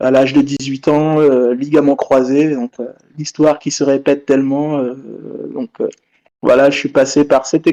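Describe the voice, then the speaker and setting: In a dry, close recording with no echo, a man with a dark, mellow tone and fairly high pitch speaks at a moderate pace in a flat monotone, pausing long and often. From France, Strasbourg. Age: 30s. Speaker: fitness coach, former American football player. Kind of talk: interview. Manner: hesitant, many fillers.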